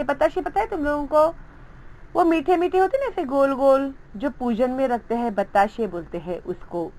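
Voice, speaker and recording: A woman's voice: high-pitched, rough recording. A woman teacher explaining a Hindi textbook story, reading its lines aloud and acting out the children's voices.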